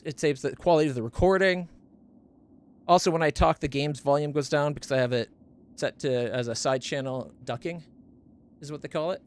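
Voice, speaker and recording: A man streaming from home, chatting casually about his gear in a rambling, self-correcting way, close on a studio condenser mic. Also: smooth. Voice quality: not very deep voice. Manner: rambling, self-correcting, stumbles over names.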